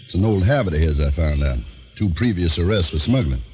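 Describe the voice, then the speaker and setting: An actor playing a gruff, dogged police lieutenant in a 1940s-style radio drama. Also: male voice, low voice, expressive, brisk, a little mellow, slight background noise. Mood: stern. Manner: gruff, warning.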